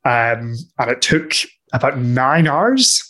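A man with a Northern Irish accent answering interview questions in a thoughtful, conversational way, pausing often with fillers and restarts. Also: medium pitch, very animated, pushed and bright. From Northern Ireland. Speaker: guest discussing customer success.

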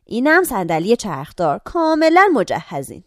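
Actress as a brisk care-home attendant, lively voice, matter-of-fact instructions, dry close sound. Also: female voice, mid-range voice, dry recording. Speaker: caregiver.

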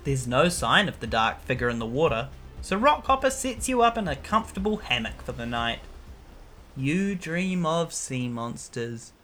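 A woman's voice: rumbling low, sing-song, a little fast, a bit bright, soft background music. A woman hosting a comedy podcast, reading a children's book aloud and bantering in a playful, self-deprecating way.

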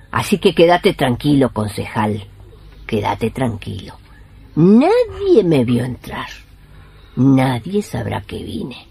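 Actor's folksy old Argentine healer woman, very expressive. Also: mid-range voice, creaky, husky, exaggerated voice. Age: older. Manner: folksy, familiar, talking to herself and God. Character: doña Erigida, humble old woman folk healer, pious, cheeky. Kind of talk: radio play acting. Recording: music behind the voice.

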